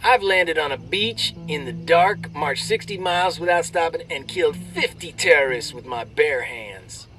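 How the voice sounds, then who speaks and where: An actor playing a brash, crude army soldier telling jokes with swaggering military banter and drawn-out delivery. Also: male voice, fairly high pitch, expressive, bright, forceful tone, far from the mic, soft background music, rough recording. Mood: cocky, joking. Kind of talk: military banter, performed joke storytelling.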